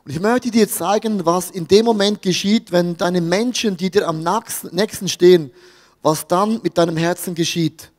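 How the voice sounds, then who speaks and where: A man's voice: high voice, normal speed, in a large hall. A man with a Swiss German accent preaching a sermon, telling a story with jokes and asides to his audience. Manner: storytelling, jokey, talks to the audience. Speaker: pastor.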